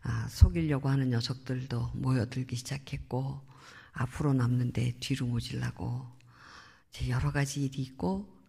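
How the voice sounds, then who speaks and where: Middle-aged woman, missionary testimony, gravelly and mellow, earnest and reflective, echoing church hall. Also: rumbling low, steady tone, moderate pace. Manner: earnest, reflective storytelling with soft trailing phrases. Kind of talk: personal testimony at a prayer meeting. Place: church sanctuary. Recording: long church hall reverb.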